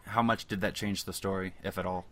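Low-voiced man asking easygoing questions. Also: steady tone, brisk, fairly bright tone. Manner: easygoing, agreeable, hesitant questions. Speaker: commentary host. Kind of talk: casual commentary chat.

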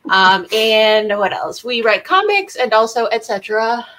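A woman's voice: fairly high pitch, very animated, unhurried, a bit bright. A woman talking casually and jokingly as a writer guest on a podcast over a video call. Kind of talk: casual chat.

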